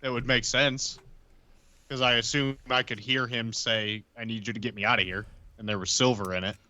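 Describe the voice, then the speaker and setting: Male game player, bright forceful tone, casual improvising, very dry close recording. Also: medium pitch, flat delivery, moderate pace, dry recording.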